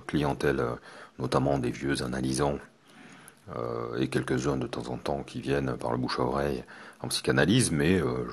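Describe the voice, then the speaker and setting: A man's voice: very deep voice, creaky, breathy edge. A man from France, a hypnotherapist teaching a course, talking hesitantly with many fillers and restarts. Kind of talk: spoken lesson to students.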